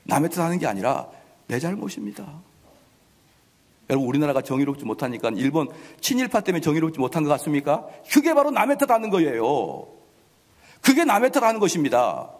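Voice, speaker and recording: A man preaching a sermon as pastor, animated, acting out family quarrels. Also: fairly high pitch, a little fast. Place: church sanctuary. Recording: long church hall reverb.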